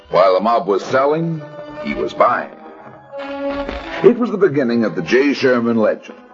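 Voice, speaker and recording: An actor playing a cool, hard-boiled male private detective who narrates in clipped, wry lines, as in a 1950s radio drama. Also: on the low side. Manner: clipped first-person narration. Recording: dull old radio broadcast.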